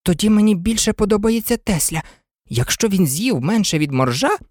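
A woman's voice: medium pitch, expressive, moderate pace, darkish tone, no room sound, studio quality, pitched above the performer's own voice, natural voice. A woman voicing a sensible, polite young girl in a storybook reading, earnest and thoughtful.

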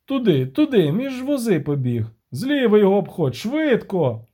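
Guy voicing a hyper little halfling shouting directions, high pitched storybook voice. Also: big pitch swings, moderate pace. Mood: urgent. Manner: yelling urgent commands. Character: small excitable male halfling, bossy and hasty.

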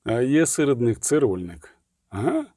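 A man's voice: mid-range voice, sing-song, a little slow, mellow, no echo. A man voicing a grim middle-aged male witcher who speaks curt and dry.

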